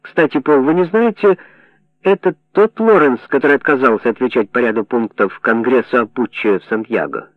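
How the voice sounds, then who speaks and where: Мужчина-чтец играет уверенного, ироничного советского чиновника. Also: male voice, medium pitch, animated, normal speed, no room sound, natural voice. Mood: wry. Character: Soviet official, wry and confident. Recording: dry narrow phone-like sound.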